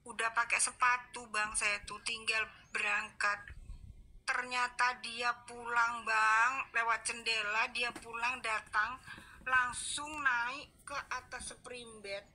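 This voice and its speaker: A woman, a fitness instructor, chatting casually late at night and telling animated stories full of sighs of dismay. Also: a little high, slow, slight background noise.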